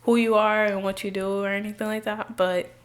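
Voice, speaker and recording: Hesitant woman, medium pitch, chatting. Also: level tone, brisk. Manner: hesitant, peppered with "like". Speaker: interviewee. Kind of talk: casual interview answer.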